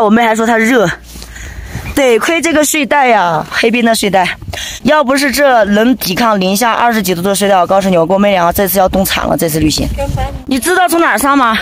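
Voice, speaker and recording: A woman's voice: on the high side, slight background noise. Chatty woman, outdoors. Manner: plain-spoken, teasing and chatty. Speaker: motorcycle travel vlogger. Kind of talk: casual vlog narration.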